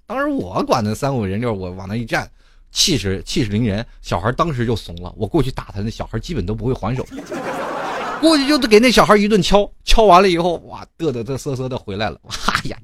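A man's voice: medium pitch, a bit bright. A young man, giving a comedic monologue full of rhetorical asides and chuckles. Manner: rhetorical asides, chuckling while telling stories. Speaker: host.

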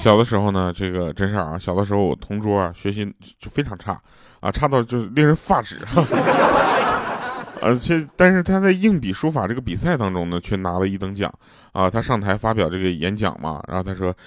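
Over heavy background noise, a man with a lowish voice speaks a little fast, his intonation lively. He's a comic storyteller in a casual monologue, spinning humorous tales from daily life, chuckling at his own punchlines and mimicking the people in them.

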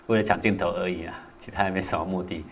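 Male lecturer, lowish voice, animated storytelling, acts out quoted speech louder and higher. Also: quick pace, highs cut off, slight background noise. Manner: animated, acts out quoted lines with rising pitch and volume; asks the listeners rhetorical questions. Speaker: lecturer on classical texts.

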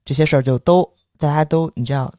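A young man, heavy erhua, telling a story in casual podcast chat. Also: fairly high pitch. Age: young adult. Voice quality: heavy erhua, quick lively delivery. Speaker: podcast co-host.

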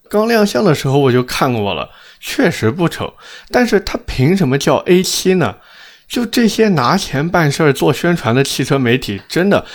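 A man hosting a car review show, speaking with slightly slurred, thick-tongued diction in a blunt, sarcastic, opinionated manner. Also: medium pitch. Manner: blunt, sarcastic, rhetorical questions. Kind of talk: opinionated car commentary to audience.

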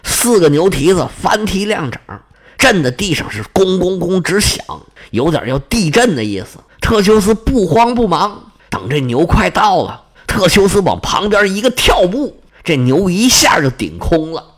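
Male oral storyteller, animated and vivid, slightly high, very expressive pitch. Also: moderate pace. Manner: animated, vivid sound words.

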